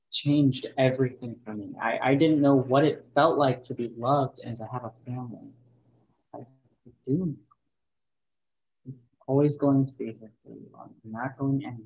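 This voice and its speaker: A man reading a husky, earnest young man. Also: mid-range voice, lo-fi sound. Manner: soft-spoken, halting. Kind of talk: script table read.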